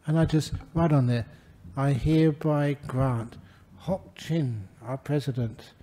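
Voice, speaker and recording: Gentle older monk with a very dark voice. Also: male voice, medium pitch. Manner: gentle, humorous, unhurried. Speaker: Buddhist monk giving a dharma talk. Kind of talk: relaxed dharma talk with anecdotes.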